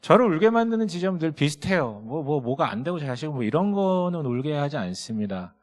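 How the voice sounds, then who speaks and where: A man's voice: a little high, sing-song, fairly quick. A man in his thirties, a pastor preaching a sermon, telling a story about his son and acting out their dialogue. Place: church sanctuary.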